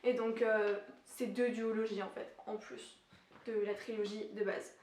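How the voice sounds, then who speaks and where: A young woman chatting casually about her books as a vlogger, self-deprecating and quick to laugh. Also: mid-range voice, level tone, a little mellow, recorded from a distance, a little hiss or hum. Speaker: book vlogger. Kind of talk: casual book haul chat. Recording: echoey room.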